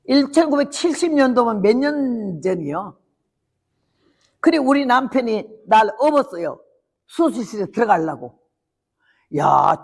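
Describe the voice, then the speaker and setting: An older woman missionary telling her testimony as a sermon, with vivid, dramatic storytelling. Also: a little high. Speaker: missionary preacher. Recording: long hall reverb.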